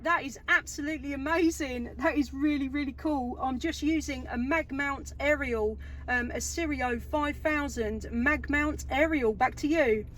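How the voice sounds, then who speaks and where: Woman, high voice, gushing and enthusiastic, casual CB radio chat, loud static and clicks. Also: normal speed, few pauses. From England. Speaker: amateur CB radio operator and video maker. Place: inside a car, mobile radio station.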